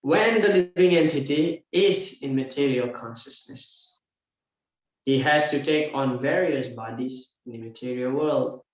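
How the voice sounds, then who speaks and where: A man's voice: medium pitch, unhurried. Man lecturing in a very echoey room. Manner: explanatory, peppered with "yeah" and "uh". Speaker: scripture class teacher. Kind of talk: scripture lecture. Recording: very echoey room, dull lo-fi sound.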